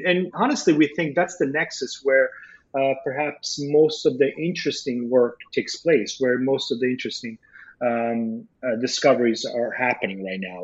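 A middle-aged man from Italy speaks as an interview guest. He talks conversationally in a halting way, repeating words and tagging phrases with a questioning "right?". His voice sits at an ordinary pitch, and the recording is slightly dull and lo-fi. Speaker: interview guest, art collector and entrepreneur.

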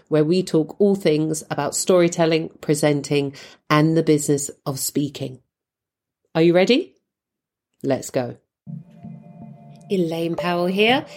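A woman hosting a podcast interview, upbeat and energetic as she introduces her guest. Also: on the low side. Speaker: podcast host.

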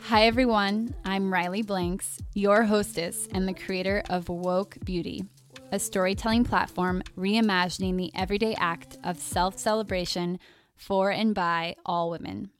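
This podcast host has a mid-range voice with fairly even intonation and talks a little slowly. She reads a polished, scripted introduction to her interview podcast, then shifts into casual chat with her guest.

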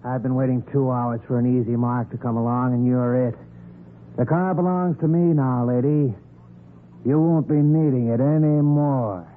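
An actor playing a tough, cold-blooded armed crook in a 1940s radio crime drama, talking in menacing slang. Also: male voice, medium pitch, steady tone, moderate pace, lightly acted. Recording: noisy, narrow-band 1940s radio recording.

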